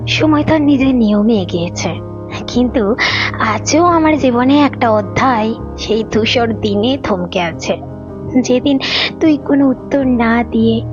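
A woman acting a wistful, high-voiced woman in love. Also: lively intonation, a little slow. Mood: sorrowful. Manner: wistful, emotional. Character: lovelorn woman, tender, wistful, devoted. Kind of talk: audio romance drama acting. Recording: dull lo-fi audio with faint music. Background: faint music.

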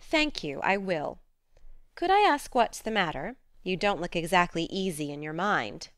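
Storybook heroine: female reader as a bold, sensible teenage girl, soothing and frank, clean smooth tone. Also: fairly low pitch, sing-song, unhurried, a bit bright, no room sound, studio quality. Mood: meek, coaxing. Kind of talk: storybook character dialogue.

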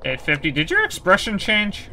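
Bright-voiced, uneasy male horror game streamer. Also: sits high, wildly swooping pitch, normal speed, vocal fry, a little hiss or hum. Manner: uneasy, sweary, muttering taunts at the monster. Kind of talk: casual horror game play commentary.

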